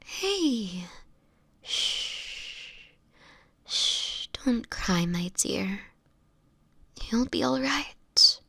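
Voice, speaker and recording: Breathy, fragile vampire woman, acted out by a woman. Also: fairly high pitch, very animated, pushed and bright, dry recording, full character voice. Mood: tender, soothing. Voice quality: breathy, often whispered. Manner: tender, halting, earnest, formal wording. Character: sickly homeless young female vampire, gentle, anguished, self-sacrificing. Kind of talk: intimate dramatic audio roleplay to the listener.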